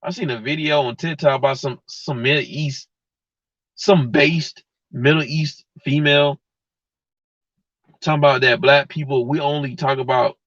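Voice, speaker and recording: A man's voice: mid-range voice, steady tone, normal speed, fairly bright tone, no room sound. A man hosting a livestream, giving a blunt, heated, slangy rant straight to his viewers. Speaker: livestream host. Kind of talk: casual slangy rant to live chat. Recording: dull lo-fi mic.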